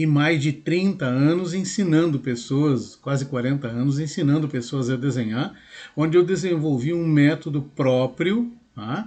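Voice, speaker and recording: Over a quiet background, a man with a dark, mellow tone talks at a fairly slow pace with ordinary pitch variation. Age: 60s. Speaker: drawing teacher and furniture designer. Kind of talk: video lesson monologue. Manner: hesitant, many repetitions and fillers.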